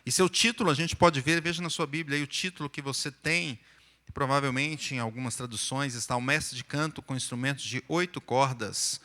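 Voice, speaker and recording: A man's voice: medium pitch, a little fast, pushed and bright. A man with a Brazilian Portuguese accent, a pastor preaching a sermon in a church, explaining scripture in a conversational way. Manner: sings and chants psalm verses, then explains them plainly. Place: church sanctuary. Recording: echoey church hall.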